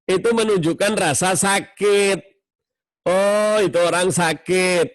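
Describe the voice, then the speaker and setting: A man giving a sermon to a mosque study circle, explaining with warmth and acting out tones of voice in his examples. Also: sits high, slow pace, dry recording.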